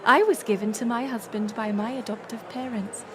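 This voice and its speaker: A woman playing a gracious, resolute middle-aged queen in an audio roleplay, speaking in formal, stately, measured phrases. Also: on the high side, steady tone, a crowd in the background, background noise, close to an everyday voice. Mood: earnest reassurance. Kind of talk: scripted audio roleplay acting.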